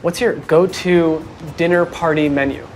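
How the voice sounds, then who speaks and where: A woman interviewer firing off short, upbeat questions in quick succession. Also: low-pitched, fairly even intonation, darkish tone, faint music behind. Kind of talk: quick street-style questions.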